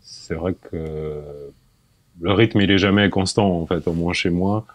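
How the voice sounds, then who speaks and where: Man in his forties, very deep voice, hesitant, repeats himself, laughs, dry close sound. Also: steady tone, a little slow, no room sound. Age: 40s. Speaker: podcast guest. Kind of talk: casual interview.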